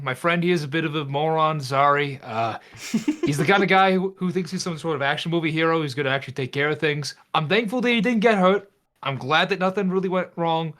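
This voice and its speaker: A man's voice: on the high side, fairly bright tone, voice pushed up. A man playing a reasonable, apologetic guy who pleads on behalf of his friend in a tabletop game.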